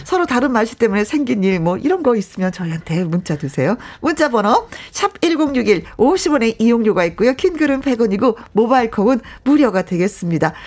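A woman's voice: fairly high pitch, sing-song, a little fast, few pauses, darkish tone. A middle-aged woman hosting a radio show, chatting casually, laughing often and reading out listener messages. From parents from Gyeongsang. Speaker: radio host.

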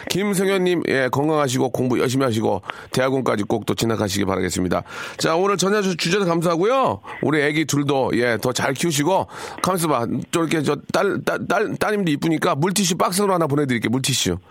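A man's voice: a little high, sing-song, fast talker, gravelly, few pauses, no room sound. A man hosting a live radio call-in show, chatting with a caller and reading out listener texts. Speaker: radio host. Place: radio studio.

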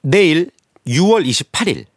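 Male game show quizmaster for radio. Highish voice, hugely animated intonation, very dry studio sound. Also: normal speed, dry recording. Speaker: radio quiz co-host and question reader.

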